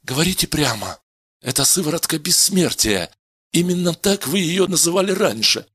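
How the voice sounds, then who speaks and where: A man voicing a frightened male test subject who pleads and protests, with a husky voice, read as a storybook. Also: fairly high pitch, lively intonation, moderate pace, fairly bright tone, no room sound, studio quality, pitched above the performer's own voice. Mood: eager. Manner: anxious, insistent, rising to cries.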